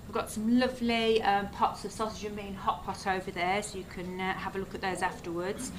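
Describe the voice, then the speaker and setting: A woman's voice: mid-range voice, level tone, a little fast. Woman cooking teacher in a noisy workshop. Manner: friendly instructing, with fillers. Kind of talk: cooking demonstration. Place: cookery workshop room.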